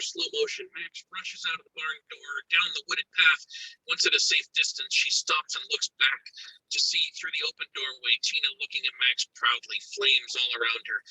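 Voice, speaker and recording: Husky, high-pitched man narrating dramatic action. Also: pushed and bright, no echo, poor audio. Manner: intense, suspenseful reading. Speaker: stage directions narrator.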